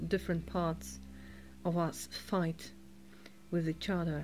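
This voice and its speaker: A woman's very slow speech in a Polish accent, with music in the background. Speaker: tarot reader. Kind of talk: tarot reading monologue. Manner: halting, many fillers.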